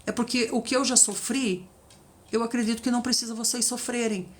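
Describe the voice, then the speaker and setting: A woman giving devotional teaching as a preacher, animated and acting out the voices she quotes. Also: on the high side, brisk.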